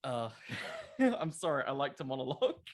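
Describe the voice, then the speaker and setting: A man's voice: medium pitch, sing-song, normal speed. A young man talking casually as an interview guest, explaining things earnestly in a rambling way. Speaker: interview guest, wrestling content creator.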